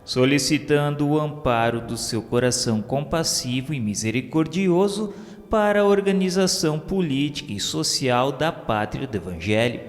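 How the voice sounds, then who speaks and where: A man's voice: on the high side, lively intonation, moderate pace. Formal male radio narrator in reverb. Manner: formal, solemn, declamatory storytelling. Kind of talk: scripted narration of a religious radio drama. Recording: reverberant, with music underneath.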